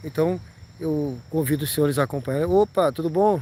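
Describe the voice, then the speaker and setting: Here a man talks at a fairly quick pace with lively intonation. His tone is relaxed, dark and mellow. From Rio de Janeiro, Brazil. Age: 60s. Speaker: rideshare driver and livestreamer. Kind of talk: casual live-stream chat. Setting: in a car, outdoors at the end. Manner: relaxed, with frequent fillers.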